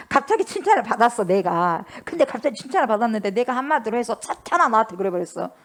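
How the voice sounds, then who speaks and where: Middle-aged woman pastor preaching, animated storyteller who voices the quoted lines. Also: fairly high pitch, brisk. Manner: often addresses the congregation directly. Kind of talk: sermon.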